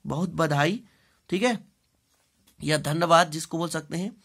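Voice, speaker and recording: A woman with an Indian accent teaching English in a bilingual lesson, deliberately repeating phrases, spelling out words and checking in often. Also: deep voice, slightly rough.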